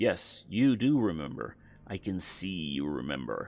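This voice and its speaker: A man's put-on character voice, very deep and guttural, with very wide pitch swings at a moderate pace. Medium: read story. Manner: melting, familiar, self-regarding.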